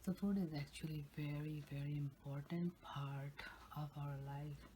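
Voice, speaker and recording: A woman hosting an ASMR eating video, talking in a soft, unvoiced whisper close to the microphone. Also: deep voice, fairly even intonation, unhurried, a little hiss or hum. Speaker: ASMR channel host.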